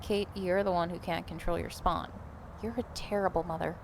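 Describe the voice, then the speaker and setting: A woman acting a sharp-tongued, sarcastic young woman in an audio drama, blunt and defensive of her friends. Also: lowish voice, steady tone, moderate pace, close to an everyday voice. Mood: exasperated, sarcastic. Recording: faint outdoor ambience noise.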